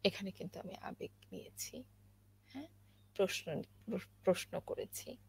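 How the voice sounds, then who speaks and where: A woman giving a spoken lesson on poetry recitation, explaining slowly with many pauses and fillers. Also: mid-range voice, fairly even intonation, gravelly, darkish tone, husky. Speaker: recitation teacher.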